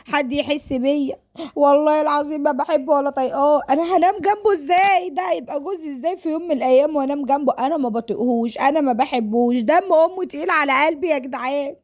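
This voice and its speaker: A woman acts out a defiant young Egyptian woman in a family drama story. Her voice is high and she talks very quickly. She complains and pleads with melodramatic distress, refusing to be married off. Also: lightly acted.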